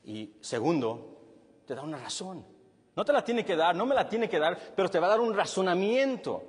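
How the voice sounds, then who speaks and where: A male pastor preaching a sermon with a husky voice, animated and then dropping low and quiet to stress a point. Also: normal speed. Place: church hall with long reverb. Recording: reverberant church hall.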